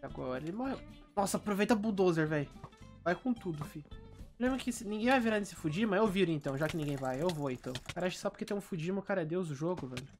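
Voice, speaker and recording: A young man with a Brazilian Portuguese accent giving live gameplay commentary, constantly complaining in an exasperated way and now and then bursting into shouts. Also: high-pitched, animated, fast talker, soft background music. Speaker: gaming youtuber.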